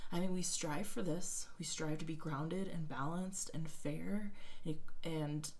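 A soft-spoken woman talks with ordinary pitch variation. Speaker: tarot reader. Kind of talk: tarot reading talk to camera. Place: home room. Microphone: phone near.

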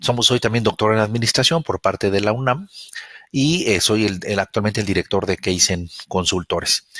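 The sound is close and dry, without echo. Speech comes at a moderate speed, its pitch varying in an ordinary way. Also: man, fairly low pitch for a man. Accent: Mexican. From Mexico. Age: 50s. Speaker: quality management consultant. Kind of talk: webinar lecture. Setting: online webinar.

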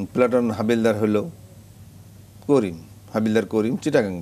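A man's voice has a dark, mellow tone, with pitch that varies in an ordinary way. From Chuadanga, western Bangladesh; western Bangladesh. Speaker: war veteran. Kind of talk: interview. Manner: halting. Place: studio. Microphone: lapel.

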